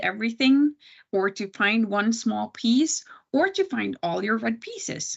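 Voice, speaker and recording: A woman with a non-native accent, at a very slow pace. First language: not English. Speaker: tech user group speaker. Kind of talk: technical presentation. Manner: animated.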